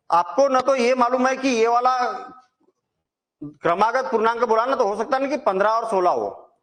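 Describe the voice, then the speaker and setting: A man with a high voice explains a maths exercise step by step. He talks to his students in a chatty, reassuring way, and he keeps asking questions and then answering them himself. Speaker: maths teacher. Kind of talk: Hindi maths lesson.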